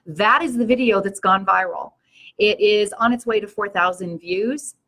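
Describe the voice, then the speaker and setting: A woman's voice: mid-range voice, moderate pace, fairly bright tone. An older woman hosting her own show, talking earnestly and with passion to her viewers in a preachy, rousing way. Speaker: show host. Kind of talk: live-stream talk to viewers.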